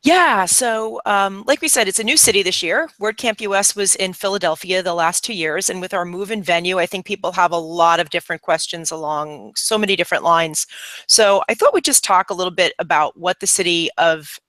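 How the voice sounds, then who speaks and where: A woman from New York co-hosting a casual panel chat, talking in a chatty, friendly way with quick asides. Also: lowish voice, a bit bright, dry recording. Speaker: co-host, marketing lead.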